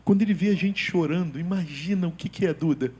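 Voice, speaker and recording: An older man with a Brazilian accent, a pastor preaching a sermon full of personal stories, swinging from loud bursts to hushed asides. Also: sits high, fast talker, breathy edge. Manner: animated, jumps between loud outbursts and hushed asides. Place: church.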